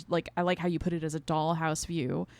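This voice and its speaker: A woman co-hosting a podcast, explaining her opinions in a casual, animated way with lots of "like" and "right?". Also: low voice, fairly quick, dry recording. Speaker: podcast co-host. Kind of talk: casual conversational review.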